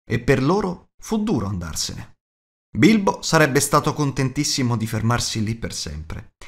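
A man narrates an audiobook at a medium pitch. He reads scripted prose expressively, as a storyteller would.

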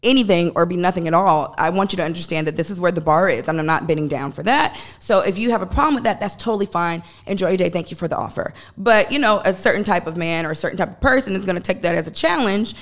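A woman's voice: lowish voice, quick pace, hardly any pauses. A woman guest on a podcast, speaking into a studio microphone, telling stories bluntly and with animation, acting out what other people said. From United States. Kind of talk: candid storytelling conversation. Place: podcast studio, seated on a couch. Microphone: large studio mic on a boom arm.

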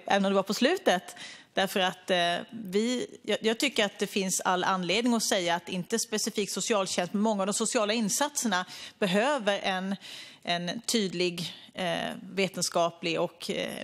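A middle-aged woman minister giving a measured parliamentary debate speech with many hesitations, speaking into a podium microphone in a parliament chamber. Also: medium pitch. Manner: measured, hesitant with frequent fillers. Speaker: government minister.

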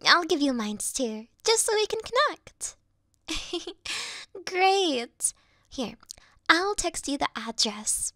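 A woman playing a sweet, clingy young yandere video game girl in a soft, coy, cutesy ASMR roleplay style. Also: very high-pitched, sing-song, slow, long pauses, no room sound, clean studio sound, full character voice. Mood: shy, friendly.

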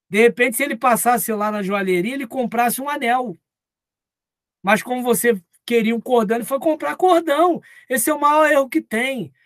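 A man's voice: extremely high pitch, fairly bright tone, no room sound, studio quality. Man leading a live Bible study. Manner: conversational, acts out quoted dialogue.

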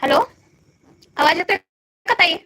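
A woman's voice: very high voice, a little slow, sharp tone, rough recording. A young woman with a Marathi accent hosting a casual phone live stream, chatting with viewers and asking whether her audio comes through.

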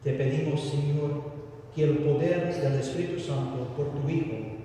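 Male priest, formal liturgical reading, slightly high voice, cavernous church echo, recorded from afar. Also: steady tone, dark tone. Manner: formal, measured reading with occasional stumbles. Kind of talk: solemn liturgical prayer recitation. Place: large church interior. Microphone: distant camera recording. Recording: cathedral-like echo, distant mic, noisy room.

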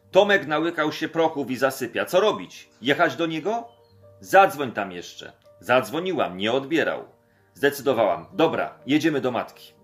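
Reading an audiobook chapter aloud, this male narrator performs the dialogue expressively without changing to other voices. His voice is lowish in pitch and fairly bright in tone.

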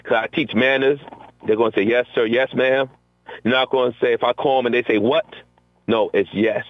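A man's voice: mid-range voice, moderate pace, no room sound. A middle-aged male teacher speaking as an interview guest, talking energetically and acting out what he and his students say. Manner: energetic, acts out quotes from classroom exchanges. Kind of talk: conversational interview. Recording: tinny phone-line audio.

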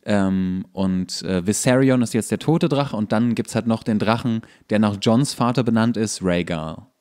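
A man with a fairly low voice speaks as a podcast co-host. He explains things in a casual, conversational way, often pausing to search for the next bit. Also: a little mellow. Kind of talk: casual chat, explaining a TV series.

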